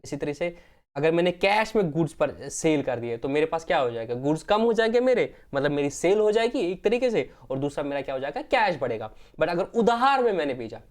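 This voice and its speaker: A man's voice: fairly high pitch, sing-song, a little fast, a little mellow. A male accounting teacher giving a classroom lecture, repeating key terms and asking and answering his own questions while addressing students as friends. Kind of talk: classroom lecture, Hindi mixed with English terms.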